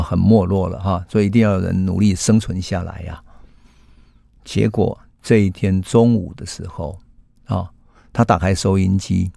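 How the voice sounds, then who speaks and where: A man, hosting a historical storytelling podcast in an unhurried, reflective way. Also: deep voice, gravelly, dark tone, no echo, studio quality. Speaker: host and storyteller.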